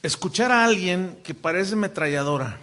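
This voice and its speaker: Animated, bright-voiced Mexican pastor. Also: male voice, high-pitched, moderate pace. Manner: animated, joking, many restarts. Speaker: pastor and Bible teacher. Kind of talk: teaching a class.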